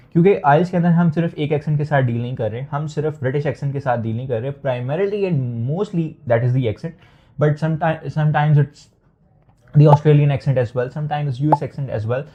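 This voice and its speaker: A young male instructor with a medium-pitched voice gives IELTS listening tips in a casual Hindustani lecture, explaining at length, using frequent fillers and switching into English phrases. The audio is slightly dull and lo-fi.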